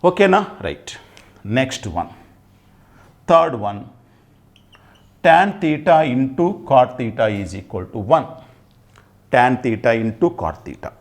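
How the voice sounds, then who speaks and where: A man's voice: mid-range voice, big pitch swings, slow pace, pauses often. A middle-aged man with a Telugu accent teaching at a whiteboard, emphatically repeating phrases and asking himself questions. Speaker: maths teacher. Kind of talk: classroom lesson at a whiteboard. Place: indoors at a whiteboard. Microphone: lapel mic.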